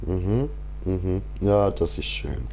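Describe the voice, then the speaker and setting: Slow, low-voiced Swiss German gamer. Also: male voice, gravelly, slight background noise. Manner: relaxed, mumbling asides while choosing options. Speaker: gaming streamer. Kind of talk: casual gameplay commentary.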